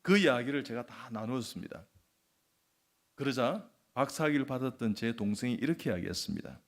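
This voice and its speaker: A man's voice: medium pitch, lively intonation, a little fast. An older man from the region, a church elder, telling a story during a sermon and acting out the people in it. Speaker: church elder and guest preacher. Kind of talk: sermon testimony.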